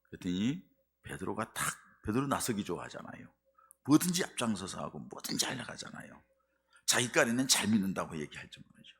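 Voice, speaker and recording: A male pastor preaching a sermon, telling the story in a lively way and leading the congregation in call and response. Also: on the low side, brisk, creaky, breathy edge. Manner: animated storytelling, rising to emphatic.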